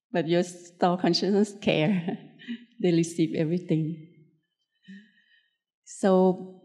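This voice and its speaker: A woman from Thailand with a Thai accent, a Buddhist nun giving an unscripted spiritual talk in gentle, short, simply worded phrases. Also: on the low side.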